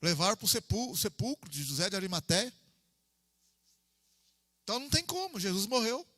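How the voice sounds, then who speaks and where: Speaking in a high, sing-song voice with a bright, forceful tone, this Brazilian Portuguese-accented man moves briskly through a Bible study delivered as an informal sermon. He keeps it conversational, repeats himself and calls on the audience for "amém." There's no room sound, though he's in a large hall.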